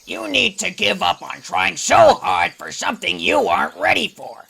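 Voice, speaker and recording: An actor playing a crotchety old male ape in an audio drama, a stern mentor who lectures and dismisses, with a gravelly voice. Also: high-pitched, sing-song, normal speed, pushed and bright, exaggerated voice. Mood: stern, scolding. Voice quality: creaky, gravelly.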